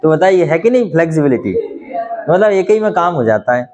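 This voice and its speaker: A man whose first language is Hindi, teaching a spoken English lesson and explaining slowly with many rhetorical questions. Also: fairly high pitch, sing-song, darkish tone, lo-fi sound.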